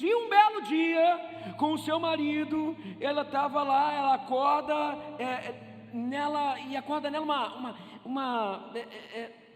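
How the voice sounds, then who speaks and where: A Brazilian pastor preaching a sermon, animated, acting out the voices in his stories. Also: very high-pitched, slight background noise. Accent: Brazilian Portuguese. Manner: animated preaching, acts out dialogue in story. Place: church hall. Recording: echoey hall, faint ambience.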